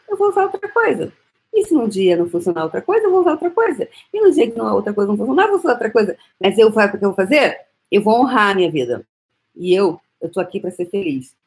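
A woman with a Brazilian Portuguese accent hosting a motivational live-stream talk, energetic and coaxing, fond of repeating phrases like a mantra. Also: mid-range voice. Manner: speaks intimately to the listener. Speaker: host.

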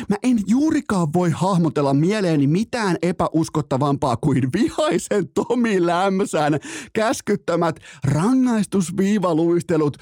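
A man's voice: on the high side, a little mellow, no echo, clean studio sound. A man hosting a sports podcast, ranting in a theatrical, profane, mock-outraged way and stretching words out for emphasis. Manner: drawn-out emphatic phrasing. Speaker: podcast host. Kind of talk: comic sports rant.

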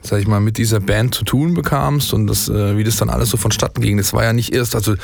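A man co-hosting a studio podcast, talking casually with a joking, quick back-and-forth manner. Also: lowish voice, fairly even intonation, gravelly, darkish tone, no room sound. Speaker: podcast co-host. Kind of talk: casual chat.

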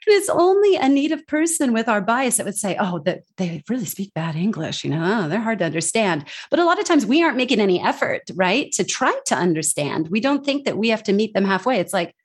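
A woman from the United States, a guest in a conversational interview, talking in a lively way and acting out what others said in a raised voice. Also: fast talker, hardly any pauses, husky. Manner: animated, acts out quoted people in high voices. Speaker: guest speaker on accents and communication.

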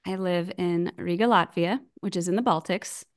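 An American woman in her forties, chatting casually as a podcast guest over a video call, self-deprecating and quick to laugh. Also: fairly low pitch. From United States. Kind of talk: casual remote interview chat.

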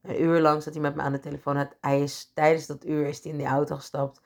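A woman hosts her own podcast, telling a personal story with candour and strong feeling. Her voice sits a little low and has a gravelly edge. Now and then she acts out the voices in her head. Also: flat delivery, quick pace. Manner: candid, emotional, acts out inner voices. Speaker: podcast host.

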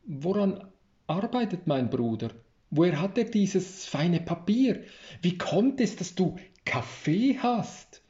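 A man's voice: high voice, sing-song, slow pace, dark tone, heavily acted. A man reading the lines of an earnest, bewildered young friar in a storybook reading, in a roomy, slightly dull recording. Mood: questioning.

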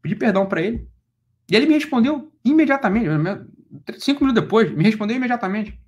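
A man's voice: very high-pitched, expressive, darkish tone. A man with a Brazilian Portuguese accent who lectures on philosophy. He delivers a heated monologue and often repeats his points for emphasis. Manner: rapid, repeats himself for emphasis.

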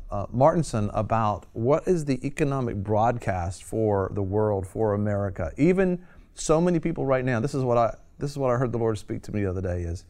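Earnest guy hosting, reflective, middle pitch. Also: a little mellow. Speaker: host.

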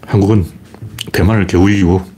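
A man's voice: low voice, steady tone, fairly quick, warm tone, a little hiss or hum. A man with a Gyeongsang dialect hosting a casual livestream, greeting viewers and rambling through opinionated, mocking commentary. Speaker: livestream host.

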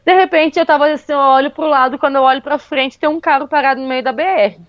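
A woman tells a travel story in a casual, chatty way, full of fillers. Her voice sits a little high. The recording is close and dry, with a slightly dull, muffled tone. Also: fast talker, no room sound. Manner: lively, with many fillers like "tipo" and "meu". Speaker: guest telling a travel story.

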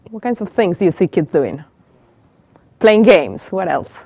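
Speaking into a handheld mic in a small room, this Argentine professor quizzes her audience and echoes back what they say. Her voice is fairly low, gravelly, husky and mellow, with an unhurried, sing-song lilt and no room sound. She is middle-aged and has an Argentine Spanish accent.

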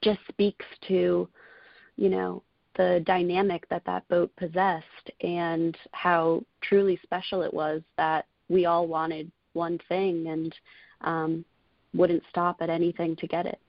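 Young woman with a gravelly low voice. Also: flat delivery, slow pace, no room sound. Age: 20s. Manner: earnest, speaks with frequent fillers. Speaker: college rowing coxswain. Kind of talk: casual interview answers. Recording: dull lo-fi audio.

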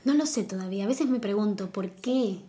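A woman talks about her own experience in a relaxed, chatty way. She often pauses on fillers and keeps a mid-range voice throughout a casual conversation. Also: medium pitch. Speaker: interviewee, dancer.

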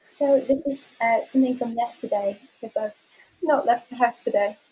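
A woman chatting casually and relaxed, with rambling ums. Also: fairly high pitch, moderate pace, slightly rough, low-quality recording. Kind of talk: casual chat.

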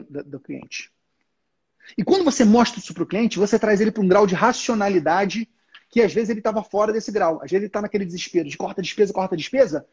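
A high-pitched, slightly husky man teaches on a casual live stream, talking straight to his viewers and acting out bits of a salesman's pitch. He speaks into a headset, and the audio comes through a little dull and lo-fi. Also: a little mellow. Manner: informal, addresses the audience directly, acts out salesman dialogue.

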